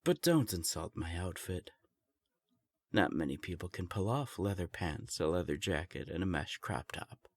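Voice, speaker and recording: Man playing a smug, very deep ancient vampire. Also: expressive. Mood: smug, amused. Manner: taunting, unhurried, self-assured. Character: smug, ancient, powerful male vampire enforcer. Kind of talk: scripted audio drama acting.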